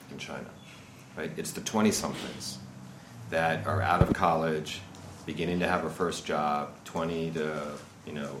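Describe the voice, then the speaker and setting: A man in his fifties speaking at an informal seminar, rambling and peppering his talk with "you know" and "right". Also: very deep voice. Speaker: guest speaker on investment. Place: seminar room. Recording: echoey room with faint noise.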